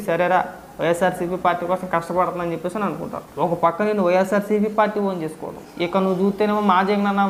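A man's voice: high voice, slight background noise. A man ranting straight at the camera as an online political commentator, lecturing and firing off rhetorical questions. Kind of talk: scolding direct-to-camera rant.

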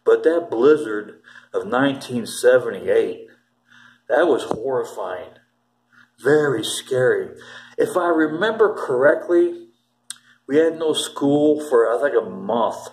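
An older vlogger from Ohio, USA, tells stories to a phone camera held close in a small, plain, echoey room. His medium-pitched voice is slow, animated and darkish, and he rambles emphatically, often restarting sentences.

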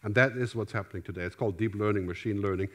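On a big theater stage, a middle-aged German-accented man delivers a keynote via headset mic in a very fast, rather low voice. He keeps it conversational, gestures broadly, and frequently asks "right?".

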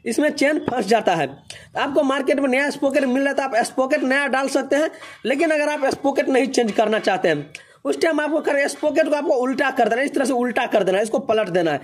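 High-voiced man explaining a bike repair. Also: fast talker. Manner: step-by-step instructive, keeps pointing things out. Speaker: bike mechanic. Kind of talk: how-to repair tutorial. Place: motorcycle workshop.

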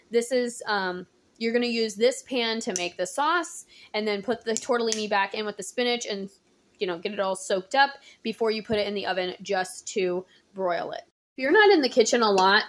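A woman in her thirties chatting casually through a cooking vlog in her home kitchen, filmed on a phone at arm's length, full of ums and likes. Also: on the high side. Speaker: home cook vlogger. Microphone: phone held at arm's length.

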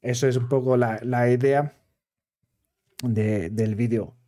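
A man from Switzerland with a Swiss accent, talking casually to camera as a gaming video creator, in careful, halting Spanish that is not his everyday language. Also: medium pitch, fairly even intonation, warm tone. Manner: careful, halting Spanish of a non-native speaker.

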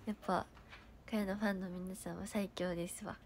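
With a mid-range voice, level tone, and a fairly quick pace, a young Kansai-accented idol livestreamer chats casually, reading viewer comments out loud and offering thanks. She has a cough and a sore throat.

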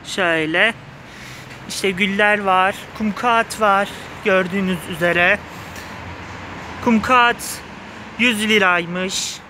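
A vlogger with a high, sharp-toned voice talks slowly and pauses often, his speech slightly muffled by a face mask as he offers enthusiastic, gushing casual commentary to viewers. He is outdoors on the pavement by a flower shop, filmed with a handheld phone behind the camera. Cars pass by amid the outdoor urban ambience.

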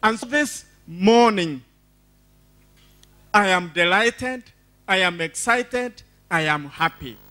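Holding a handheld mic on the stage of a big church hall, an older Embu County, Kenya man preaches his testimony to the congregation. He is exuberant, expressive and declamatory, speaking slowly with long pauses in a high, bright voice, and repeats phrases for emphasis.

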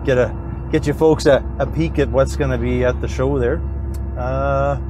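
A middle-aged man hosting a casual behind-the-scenes vlog, rambling in a relaxed way and often trailing off to restart, recorded on a lapel mic. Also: medium pitch, normal speed, noisy background. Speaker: car builder and channel host.

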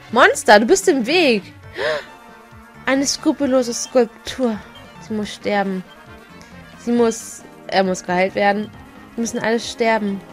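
A woman giving casual, chatty video game commentary, giggling often and stumbling over her words. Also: fairly high pitch. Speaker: let's play gamer. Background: faint game music.

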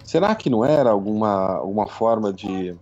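A man's voice: on the low side, expressive, normal speed, a little mellow. A man running a tabletop game as game master, narrating in a casual, chatty storytelling way. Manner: casual storytelling with frequent tag questions and laughs. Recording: dull lo-fi stream audio.

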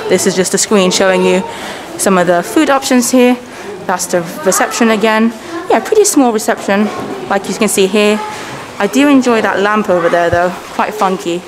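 A Persian-speaking travel vlogger in her thirties chats her way through a hotel's lobby and corridors, filming herself on a handheld camera. She keeps a moderate pace with hardly any pauses, sounding upbeat and varying her pitch lively; the audio is noisy.

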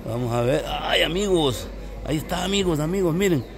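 A man from El Salvador with a Salvadoran accent, vlogging casually outdoors on a misty mountain and talking warmly to his viewers as friends. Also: a little high, lively intonation, brisk, creaky, a crowd in the background. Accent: Salvadoran Spanish. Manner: chatty, addresses viewers as little friends. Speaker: travel vlogger. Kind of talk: casual vlog narration.

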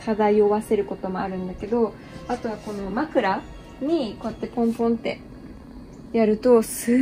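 A woman's voice: medium pitch, mellow. Chatty young woman touring her room. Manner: chatty, mixes in English phrases, many fillers. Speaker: vlogger giving a room tour. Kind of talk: casual chat to camera. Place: small bedroom apartment indoors. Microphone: handheld camera close up.

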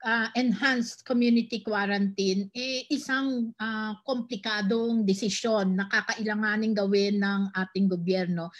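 A woman's voice: mid-range voice, fairly even intonation, normal speed, hardly any pauses, dull audio. An older woman with a Filipino accent, giving a statement as a doctor at an online press conference over a video call. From Philippines. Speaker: doctor, medical society representative. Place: indoor room on a video call. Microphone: video call computer microphone.

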